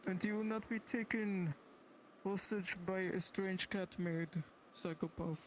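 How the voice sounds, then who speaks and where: A man's voice: sits high, fairly even intonation, measured pace, slight background noise, rough recording. A man voicing a solemn, protective guardian devoted to his people, speaking formally and dramatically in improvised roleplay. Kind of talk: improvised virtual-world roleplay.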